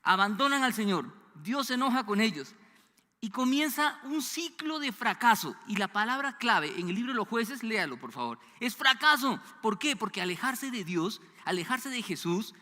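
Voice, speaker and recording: A Colombian man in his fifties with a Bogotá accent, preaching a sermon in an animated way, asking the congregation questions and sometimes dropping to a low, hushed voice. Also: moderate pace. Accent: Colombian Spanish (Bogotá). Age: 50s. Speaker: pastor. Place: church sanctuary. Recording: long church hall reverb.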